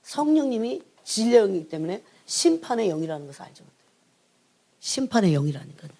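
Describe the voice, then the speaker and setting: A middle-aged woman, an evangelist, preaching an emphatic sermon that keeps prodding her listeners and drops to hushed asides. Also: mid-range voice, very animated, quick pace. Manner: emphatic, prods the congregation with repeated "예?"; swings between raised emphasis and hushed asides. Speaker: church evangelist, prayer team leader.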